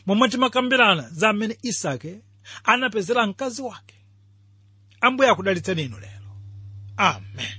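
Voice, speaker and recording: A man gives a didactic radio sermon. His voice is high for a man and husky, with a forceful edge. He explains scripture and puts questions to his listeners. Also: animated, fast talker, long pauses. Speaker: radio Bible teacher. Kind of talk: radio sermon, Bible exposition.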